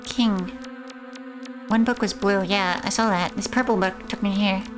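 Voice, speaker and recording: A woman's voice: mid-range voice, steady tone, a little slow. Woman, game streamer, casual running commentary, reads game text aloud, game music underneath. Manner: reads in-game poems aloud, chats to chat. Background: game music and insect sounds.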